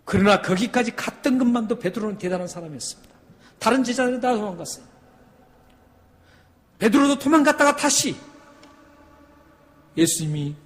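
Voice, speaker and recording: A male pastor delivers a sermon in a sanctuary, his slightly high voice climbing to loud, emphatic peaks. He keeps asking the congregation questions. A long reverb from the hall hangs behind every phrase. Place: church sanctuary.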